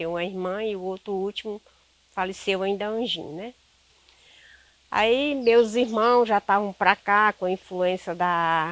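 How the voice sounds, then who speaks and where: A woman's medium-pitched voice at a fairly slow pace, with ordinary pitch variation, long, frequent pauses and big swings in loudness, in a dry, close sound with no echo on a very clean recording with a silent background. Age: 60s. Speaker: local resident, farmer's daughter. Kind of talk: oral history interview. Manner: conversational, frequent 'né?' tags.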